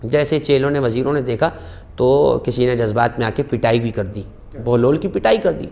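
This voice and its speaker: A man speaking as a guest scholar on a religious talk show, telling stories with passion, rising sharply on key phrases and reciting Arabic quotations slowly. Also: medium pitch, vocal fry, darkish tone.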